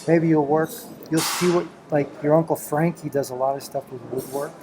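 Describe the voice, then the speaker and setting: A man's voice: a little high, steady tone, moderate pace, background noise. A middle-aged man chatting casually and encouragingly with his teenage child as the host of a home video. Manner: encouraging, affirms often with "right" and "exactly".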